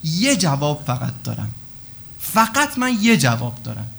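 A man's voice: on the high side, huge pitch swings, vocal fry. A male cleric preaching a sermon, talking animatedly and acting out dialogues between people and God.

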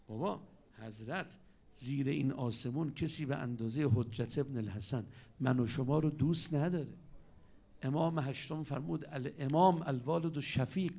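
A man preaching a sermon, telling stories with sudden swings between loud and hushed delivery. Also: a little high, vocal fry.

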